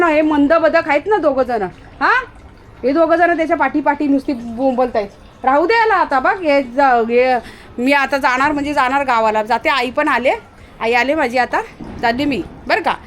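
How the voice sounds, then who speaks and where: High-voiced woman scolding her dog. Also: normal speed. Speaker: vlogger. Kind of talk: casual vlog narration to viewers. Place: outdoors at night.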